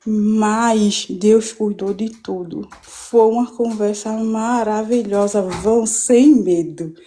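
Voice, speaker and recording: Woman, mellow warm voice, fervent rambling testimony, restarts a lot, live stream from home. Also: mid-range voice, steady tone, slow pace, a little hiss or hum. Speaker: guest giving a church testimony.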